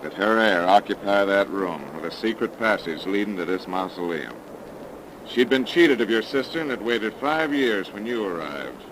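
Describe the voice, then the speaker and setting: An actor playing a steady, wry investigator in a 1930s radio horror drama, explaining in a calm, folksy way. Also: male voice, on the low side, moderate pace, lightly acted. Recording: hissy 1930s radio recording.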